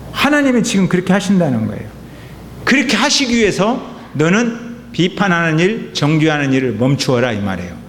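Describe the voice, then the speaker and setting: A male pastor preaching a sermon with animated emphasis, reading scripture aloud and calling for amens in a church. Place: church sanctuary. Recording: reverberant hall with faint rumble.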